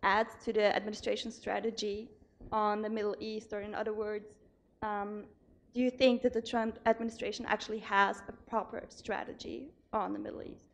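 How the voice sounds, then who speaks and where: A woman with a middle-pitched voice asks a question from the floor of a large lecture hall. She speaks in a polite, measured way. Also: flat delivery, creaky. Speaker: audience member asking a question.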